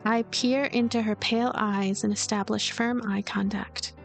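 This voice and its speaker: A woman's voice: medium pitch, steady tone, moderate pace, gravelly, soft background music, lightly acted. A woman voicing a cynical, lonely girl who narrates her own visual novel story in a blunt, wry, calculating way. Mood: cool, calculating. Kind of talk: first-person visual novel narration read aloud.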